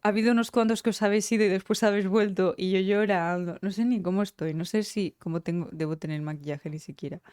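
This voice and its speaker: A woman's voice: mid-range voice, fairly even intonation, quick pace, hardly any pauses, a little mellow, clear, resonant tone, dry recording, clean studio sound. A woman with a Spain Spanish accent chatting casually on a live stream, teary after crying, emotional and rambling and swearing freely. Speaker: game streamer.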